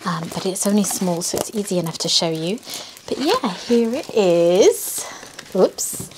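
A middle-aged British woman with a slightly husky voice and a slight cough, chatting casually as she crafts. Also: mid-range voice, expressive, a little slow. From United Kingdom. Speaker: craft channel host. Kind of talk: casual chat while crafting. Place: indoors at a wooden table. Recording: clear background noise, handling crinkles. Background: crinkling and clicks of craft materials.

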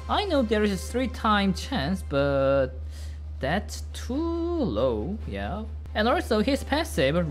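A man in his thirties with a Korean accent, a native Korean speaker giving casual game commentary in simple, halting English. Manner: excitable, high-pitched exclamations in play, simple halting English. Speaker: game streamer. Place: indoor room at a desk, webcam beside game screen. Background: faint game music.

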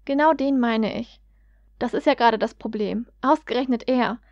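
A woman's voice: on the high side, moderate pace, no echo, natural voice. A woman reading as a flustered young woman. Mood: troubled. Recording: dull, dry lo-fi recording.

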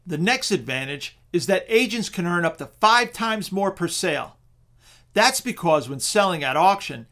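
A middle-aged man narrating a scripted webinar on real estate auctions in a steady, persuasive sales tone. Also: sits high.

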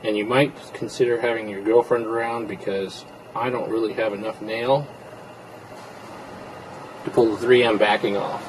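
A man in a casual how-to video, talking in a relaxed, explanatory way while he works with his hands inside a car. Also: on the low side, normal speed, long pauses, noisy background. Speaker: car interior DIY reviewer.

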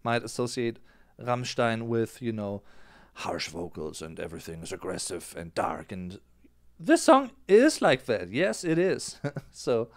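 A man's voice: mid-range voice, measured pace, no room sound, clean studio sound. A man in his thirties with a German accent, a native German speaker, casually explaining song lyrics as a music reaction streamer on a headset. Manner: animated, gesturing with his hands. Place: small indoor room.

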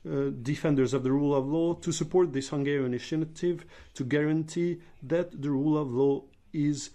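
A man giving simultaneous interpretation of debate speeches, measured and pausing often on filler sounds. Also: a little high, steady tone, mellow. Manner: measured, with frequent filler pauses. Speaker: conference interpreter.

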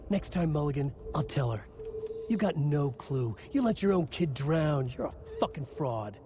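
A man's voice: a little high, very animated, moderate pace, background noise. A man voicing a bitter, foul-mouthed small-town cop who sneers as he talks. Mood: sneering.

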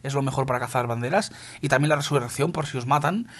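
A man's voice: mid-range voice, fast. A young man from Spain with a Castilian accent, casually commentating his mobile shooter match for viewers, swearing and calling everyone "tío". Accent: Spain Spanish. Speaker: gaming youtuber.

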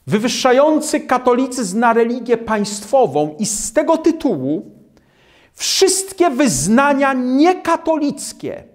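A man preaching a sermon on scripture in a slow, emphatic way, with dramatic drops in his voice. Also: high voice.

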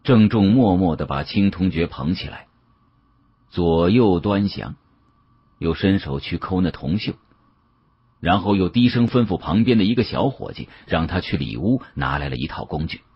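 A man narrating an audiobook as a dramatic storyteller, with an expressive, suspenseful delivery and a husky voice. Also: deep voice. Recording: dull, muffled audio.

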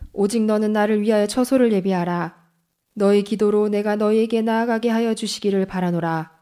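A woman reading Bible passages aloud in a slow, even, solemn manner. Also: mid-range voice. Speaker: Bible reader. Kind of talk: scripture reading.

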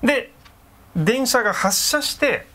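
A middle-aged man telling a ghost story conversationally, building it up in short phrases with pauses and fillers. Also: very high-pitched, expressive, pushed and bright. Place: dark studio, seated round candlelit tables.

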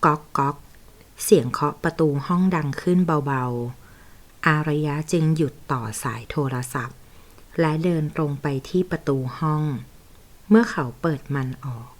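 A woman reads a romance novel aloud in a low voice. Her delivery is steady and even, keeping the story flowing. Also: unhurried. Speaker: audiobook narrator. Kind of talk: scripted novel narration.

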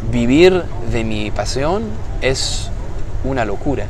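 French-Canadian man in his 30s, halting non-native speaker, mid-range voice, outdoor noise behind. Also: medium pitch, animated. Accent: French-Canadian with a slight Argentine tinge. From Quebec, Canada. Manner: halting, searching for words, many restarts. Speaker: interviewed composer and pianist. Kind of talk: casual interview answers. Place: outdoor seaside terrace.

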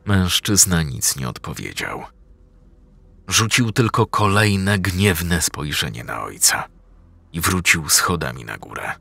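Brief: slow ominous Polish male narrator, husky yet bright. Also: low-pitched, big pitch swings. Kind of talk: scripted horror narration.

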